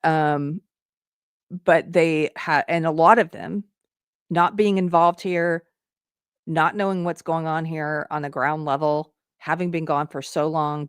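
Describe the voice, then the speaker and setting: A woman with a low voice hosts a casual commentary show, thinking aloud with restarts and reading posts aloud as she comments on them. The sound is clean studio quality with no room sound.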